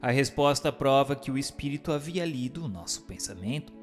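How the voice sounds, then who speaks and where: A man's voice: medium pitch, animated, brisk, soft background music. A man giving a formal, declamatory scripted reading as a narrator, in a question-and-answer style. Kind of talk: scripted dramatized reading of a spiritist book.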